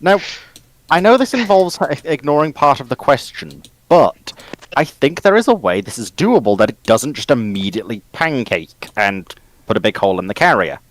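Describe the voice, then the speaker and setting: A man's voice: medium pitch, very animated, moderate pace, poor audio. A man speculating aloud in a casual discussion of military history.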